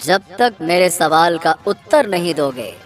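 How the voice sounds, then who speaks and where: A woman's voice: lowish voice, animated, faint music behind. A woman voicing a menacing, commanding magical black swan in a kids' cartoon story. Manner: slow, commanding, taunting. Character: menacing magical black swan who poses deadly riddles. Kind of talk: Hindi kids' cartoon villain acting.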